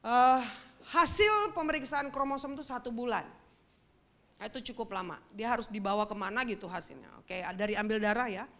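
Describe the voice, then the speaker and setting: A woman's voice: fairly high pitch, fairly quick, bright, forceful tone. A middle-aged woman pastor, giving a sermon as a chatty personal story and speaking straight to the congregation. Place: church.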